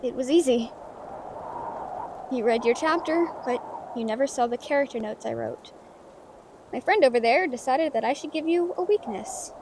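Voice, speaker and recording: Audio-drama author heroine, actress: high voice, earnest and defiant, emotional delivery, slight background noise. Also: female voice, moderate pace, pauses often. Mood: resolute. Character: earnest, defiant female author facing her villain.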